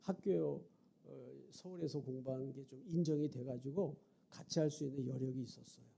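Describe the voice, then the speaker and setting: Gravelly, husky middle-aged male preacher. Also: medium pitch, normal speed. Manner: dramatic, swings from hushed to loud. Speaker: revival preacher. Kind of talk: storytelling sermon.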